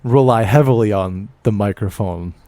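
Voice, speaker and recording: A man's voice: on the low side, moderate pace, warm tone. A young adult man, a stand-up comedian co-hosting a podcast, talking in a loose, rambling way. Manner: rambling, loose with fillers and swearing. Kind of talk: casual chat.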